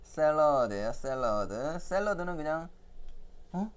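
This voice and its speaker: A man's voice: on the high side, very animated, a little slow. Cheerful man teaching kids English words. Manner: cheerful, coaxing quiz questions, frequent chuckles. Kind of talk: playful vocabulary lesson for young children.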